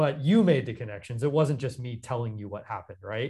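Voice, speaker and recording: Speaking at a fairly quick pace, a man uses a medium pitch with ordinary pitch variation and a somewhat breathy quality. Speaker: Ayurvedic doctor. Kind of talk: casual chat. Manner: gruff.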